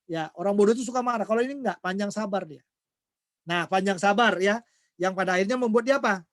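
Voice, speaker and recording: High-voiced man preaching a sermon. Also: fast talker, no room sound, clean studio sound. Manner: asks the congregation questions and answers them himself; acts out everyday quarrels in quoted voices.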